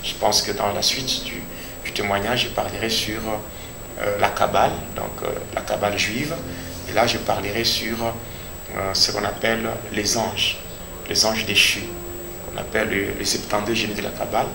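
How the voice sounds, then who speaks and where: A man with a Congolese accent giving a personal religious testimony as a pastor, speaking deliberately and repeating phrases for emphasis. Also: on the low side, little pitch movement. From Democratic Republic of the Congo. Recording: echoey room with clear background noise.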